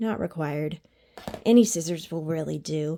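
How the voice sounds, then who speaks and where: In a very clean recording with a silent background, a woman speaks at a moderate pace with a fairly low pitch and a dark, mellow tone. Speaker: embroidery teacher. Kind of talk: tutorial. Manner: casual, chatty with fillers.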